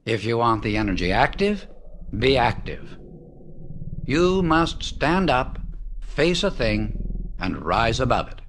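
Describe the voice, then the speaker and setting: A man reading a spiritual book aloud as an audiobook narrator, in a measured, emphatic way that slows down on key words. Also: medium pitch, very animated, fairly bright tone, slight background noise. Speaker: audiobook reader. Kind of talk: solemn scripted reading of spiritual teachings.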